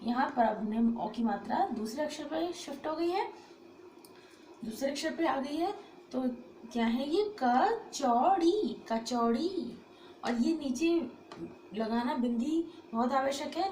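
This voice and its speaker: Woman teacher, high voice, slow careful syllables for small kids, echoey room with faint hiss. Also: expressive, a little mellow. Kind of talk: children's Hindi lesson.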